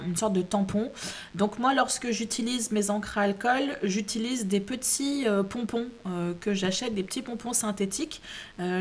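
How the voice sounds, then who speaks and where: Chatty French woman teaching a craft. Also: medium pitch. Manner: chatty, many hesitations and restarts. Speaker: craft video host. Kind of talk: casual crafting tutorial.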